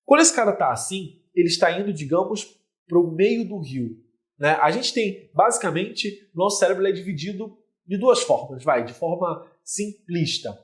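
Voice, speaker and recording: A man's voice: high-pitched, animated, normal speed. A man with a Brazilian Portuguese accent, a relationship mentor talking straight to the viewer and explaining with everyday images. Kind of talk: direct-to-camera coaching talk.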